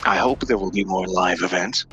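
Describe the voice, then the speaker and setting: A man's voice: sits low, normal speed, pushed and bright. A man being interviewed as a podcast guest, talking casually in a polite, playful, tongue-in-cheek way.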